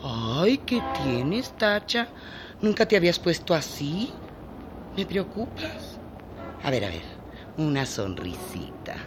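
A haughty housewife. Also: female voice, low-pitched, big pitch swings, slow pace, pauses often, background noise, exaggerated voice. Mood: evasive. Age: middle-aged. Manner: evasive, condescending, turns threatening. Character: vain, insecure middle-aged housewife, haughty. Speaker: mistress of the house. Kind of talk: radio drama acting.

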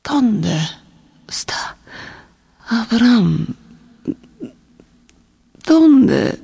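An actress in a radio drama playing a lonely, grieving Mennonite woman, speaking in short broken fragments with a gravelly voice. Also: on the high side, darkish tone, dry recording, studio quality, exaggerated voice. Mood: anguished, crying out. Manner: very slow, halting, third-person speech in short fragments. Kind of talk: radio drama monologue in broken, telegraphic sentences.

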